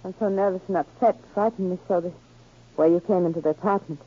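A woman's voice: on the low side, quick pace, husky. An actress playing a nervous, resentful female spy accomplice in a 1940s radio drama. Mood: shaken. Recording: scratchy, narrow-band 1940s radio recording.

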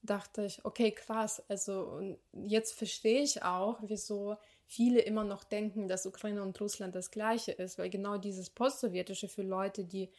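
A young woman talking through her thoughts on a casual podcast. She reflects aloud with many pauses and fillers, restarting sentences as she goes. Her voice sits at an ordinary middle pitch. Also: fairly even intonation, a little mellow. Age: young adult. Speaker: podcast co-host.

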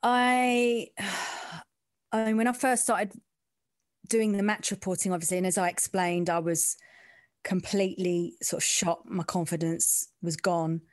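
A woman's voice: lowish voice, fairly even intonation, a little slow, no room sound, studio quality. A woman from London's East End with an East London, Essex-like twang, talking frankly and informally in an interview as a sports reporter. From East End of London, England. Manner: informal, frank, working-class way of speaking. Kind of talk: candid conversational interview.

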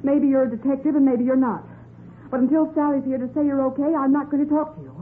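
A tinny, lightly noisy 1940s radio drama presents an evasive young woman, played by an actress. Her voice is high, nervous and flustered, with a defensive edge. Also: level tone, quick pace, lightly acted.

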